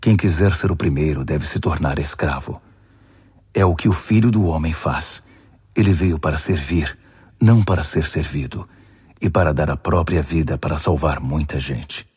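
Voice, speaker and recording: A man voicing a calm, authoritative male teacher in a dramatized Bible audiobook, solemn, firm and instructive. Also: very deep voice, normal speed, husky, dry recording, studio quality, voice pushed down, exaggerated voice.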